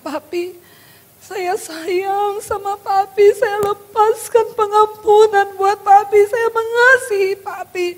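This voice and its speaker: A woman's voice: very high-pitched, in a large hall. A woman pastor preaching a sermon and telling her own testimony, speaking emphatically to the congregation. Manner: addresses the congregation as "saudara", emphatic and dramatic.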